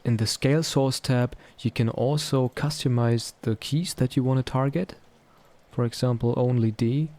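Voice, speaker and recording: Man, mid-pitched voice, casual tutorial presenter, explanatory narration. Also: steady tone, moderate pace, darkish tone, slight background noise.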